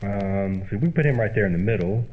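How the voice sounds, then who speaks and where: A man's voice: on the low side, animated, fast talker. A man performing an old-time radio comedy sketch as the incredulous, teasing straight man. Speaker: comedy show host performer. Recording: dull lo-fi radio sound, loud noise.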